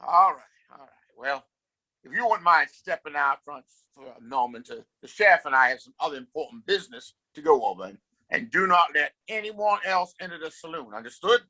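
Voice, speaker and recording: Man acting a bright-voiced, haughty Western town boss. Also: fairly high pitch, lively intonation, a little fast, exaggerated voice, poor audio. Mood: irritated, demanding. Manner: condescending, commanding. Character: domineering, scornful wealthy father and town boss. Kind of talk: Western audio play acting.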